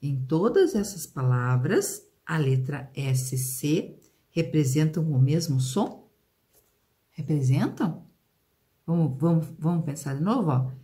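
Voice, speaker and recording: Slow-talking Brazilian woman teacher. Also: low voice, animated, mellow. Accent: Brazilian Portuguese. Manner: slow, drawn-out pronunciation of example words; questions and prompts aimed at pupils. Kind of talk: video lesson for children.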